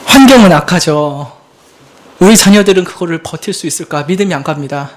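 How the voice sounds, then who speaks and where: Brisk and animated, this man in his thirties preaches with a fairly high pitch. As a pastor giving an earnest, confessional sermon, he moves from quiet moments to forceful emphasis.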